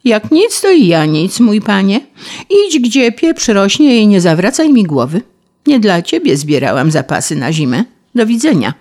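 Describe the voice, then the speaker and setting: A woman's voice: mid-range voice, very animated, moderate pace, a little mellow, voice pushed up. A woman voicing a prim, cold-hearted female ladybird who moralizes scornfully. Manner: scornful and preachy.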